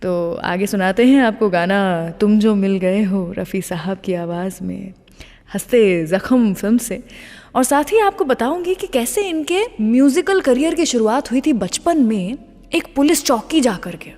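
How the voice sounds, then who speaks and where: A woman hosting a radio show, chatting warmly and telling stories between songs, building up what comes next. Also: medium pitch, measured pace, in a large hall. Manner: lively storytelling, teasing what comes next. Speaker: radio host.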